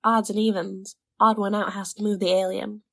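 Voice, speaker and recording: A woman's voice: medium pitch, level tone, normal speed, vocal fry. Woman acting a casual, rambling young woman. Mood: chatty, persuasive. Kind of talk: audio drama acting.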